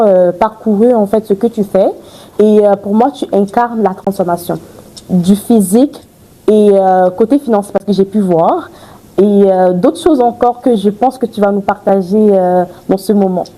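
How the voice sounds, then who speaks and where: A woman's voice: mid-range voice, measured pace, mellow, poor audio. A woman hosting a podcast, chatty and effusive, with many fillers and restarts. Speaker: podcast host. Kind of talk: casual interview chat.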